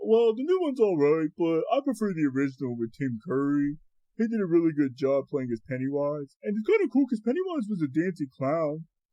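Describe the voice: Putting on a character voice, a man speaks fairly high in pitch at a fairly quick pace.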